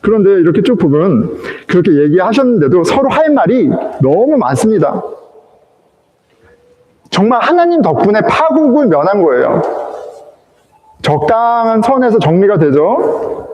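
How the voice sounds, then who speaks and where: A man's voice: high-pitched, big pitch swings, moderate pace, a little mellow, lo-fi sound. A man preaching a sermon as pastor, telling the story with animation and acting out the quoted characters. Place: church sanctuary. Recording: echoey church hall.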